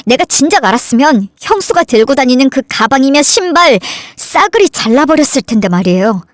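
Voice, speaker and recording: A woman's voice: sits high, very animated, brisk, dry recording. Woman reading as resentful younger son, accusing, bitter edge, close dry mic. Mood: sarcastic. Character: resentful younger son, grown man, fed up. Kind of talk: dramatized story reading.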